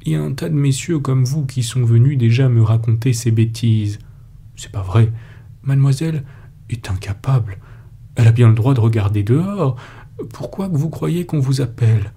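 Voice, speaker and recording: A man's voice: mid-range voice, normal speed, vocal fry, warm tone, husky. Indignant stout concierge, read by a man. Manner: indignant, colloquial.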